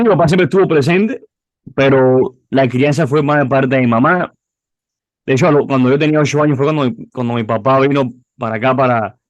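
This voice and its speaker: A man's voice: medium pitch, no room sound. A man in his twenties with a Cuban accent, a youth pastor telling his life story in an interview, often restarting and repeating words as he goes. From Cuba. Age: 20s. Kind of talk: personal testimony interview.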